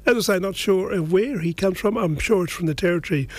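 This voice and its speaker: A man with an Aboriginal Australian accent hosts a radio show, presenting and interviewing in a casual, conversational, rambling way and tagging questions with "eh." His voice is high and he talks fast. The recording is dry.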